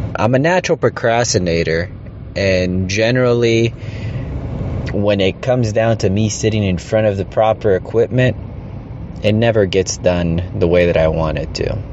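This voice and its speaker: Over noticeable background noise, a man speaks in a fairly low-pitched voice. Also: ordinary pitch variation, moderate pace. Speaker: podcast host. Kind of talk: solo monologue.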